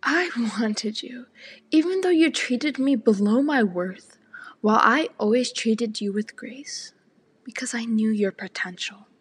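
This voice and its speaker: A teenage girl slowly reciting a spoken word poem, often half-whispered. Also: on the high side, breathy edge. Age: teens. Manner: slow and deliberate, partly whispered.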